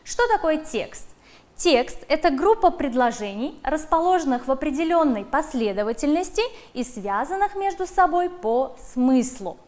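A woman teaching a televised primary school lesson, addressing the children directly and dictating words slowly and emphatically. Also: sits high, sing-song, a little mellow.

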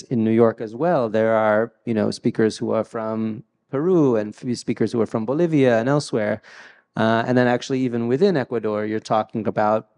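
A low-voiced man with a gravelly, mellow tone, talking through a handheld mic in a large hall with a long reverb. He speaks thoughtfully, full of fillers and restarts, as he moderates a panel. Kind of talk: hesitant conversational talk.

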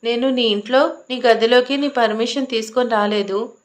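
A woman reads a stubborn, arrogant young man in a storybook romance, clipped and commanding, giving orders and refusing to bend. The voice stays fairly high for a man and keeps his bossy manner throughout. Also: steady tone, moderate pace, natural voice. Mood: stern, bossy. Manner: curt and commanding.

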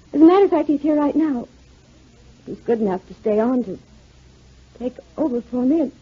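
A woman's voice: medium pitch, husky. A woman playing a genteel, composed widow in 1940s radio drama style. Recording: muffled vintage radio recording.

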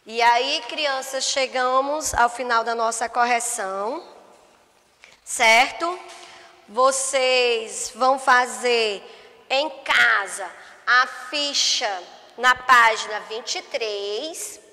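A woman's voice: a little high, bright, forceful tone, long reverb tail. A woman teaching a first-grade class with a Brazilian Portuguese accent, patiently stretching out each word and sound for young children. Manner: patient, drawn-out words, spelling sounds slowly for children. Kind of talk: remote lesson for first graders.

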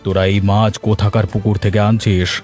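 A man's voice: fairly low pitch, little pitch movement, a little fast, close to an everyday voice. A man voicing a domineering middle-aged village headman, commanding and threatening, for a cartoon. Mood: stern. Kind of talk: cartoon voice acting. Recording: faint music behind.

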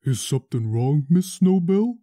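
Woman playing a deep-voiced, gentle, simple big friend. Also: lively intonation, moderate pace, no echo, clean studio sound. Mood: worried. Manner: simple, childlike.

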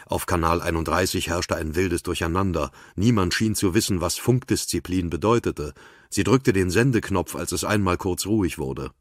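Deep-voiced man narrating a thriller. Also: moderate pace, no echo, studio quality. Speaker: audiobook narrator.

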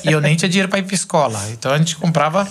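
Husky Brazilian podcast host, animated. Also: male voice, a little high, very fast. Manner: animated, gesturing storyteller. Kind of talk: casual podcast chat. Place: small podcast studio. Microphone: boom mic on desk arm.

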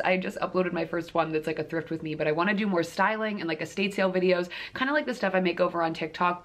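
A woman in her late twenties from Ohio, talking casually to camera in a rambling, chatty vlog style, filling her sentences with "like". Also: lowish voice. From Ohio, United States. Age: 20s. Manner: chatty and rambling, frequent filler "like". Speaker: vlogger. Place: small bathroom, indoors. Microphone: camera mic a few feet away. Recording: echoey bathroom, distant dull camera audio.

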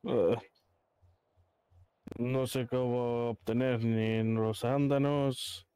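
A man's voice: mid-range voice, level tone, very slow, mellow, a little hiss or hum. A man improvising casual in-character talk as a player in an online roleplay game. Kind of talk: improvised in-character gaming chat.

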